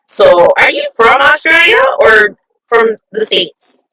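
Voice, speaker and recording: A woman from Hawaii hosting a chatty live interview, bubbly and quick to laugh, on her phone. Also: fairly high pitch, very animated, pushed and bright, shouting. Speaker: show host. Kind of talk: casual live-stream interview. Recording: distant phone mic.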